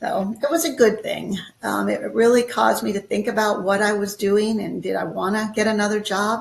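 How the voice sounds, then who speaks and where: Fairly quick and fairly even in intonation, a woman speaks at a fairly high pitch over noticeable background noise. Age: 60s. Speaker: business executive and author. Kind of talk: interview.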